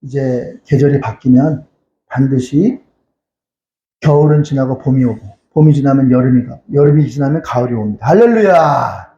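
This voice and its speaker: Speaking at a moderate pace with a dark, mid-range voice, this male pastor preaches in a church sanctuary, answering his own questions, repeating lines and calling out hallelujah over and over. There is slight background noise, and the church hall recording sounds echoey and dull.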